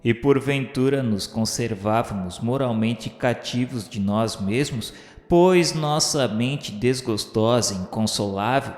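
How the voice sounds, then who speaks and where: A man with a Brazilian accent acting as a solemn, remorseful scholar's spirit, narrating a radio drama in measured, literary phrasing. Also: medium pitch, a little mellow, natural voice. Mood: sombre, anguished. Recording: echoey hall reverb under music. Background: music.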